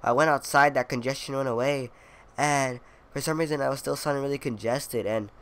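A young man records gameplay commentary while clearly congested and coughing now and then. He rambles through his week in a loose, filler-heavy way, throwing in playful brags. Under the stuffiness his mid-pitched voice stays smooth. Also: steady tone, brisk, fairly bright tone. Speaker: gaming video creator. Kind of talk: casual commentary over gameplay.

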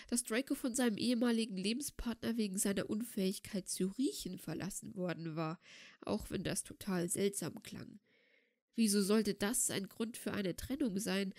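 A woman narrating a fan fiction audiobook in a calm, steady way. Her voice sits at a middling pitch, neither high nor low. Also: no room sound, clean studio sound. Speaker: audiobook reader.

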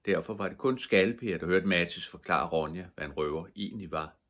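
An older man reading a bedtime storybook aloud with lively expression. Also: low-pitched.

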